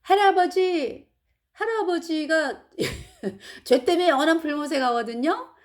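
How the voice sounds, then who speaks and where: A woman's voice: very high voice, lively intonation, unhurried. A woman voicing her six-year-old daughter earnestly pleading with her grandfather.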